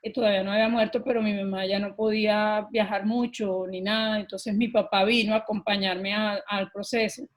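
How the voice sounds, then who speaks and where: A middle-aged Colombian woman telling her own story as a podcast guest, earnest and animated, often pausing with filler words. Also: medium pitch. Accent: Colombian Spanish. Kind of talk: personal storytelling in an interview.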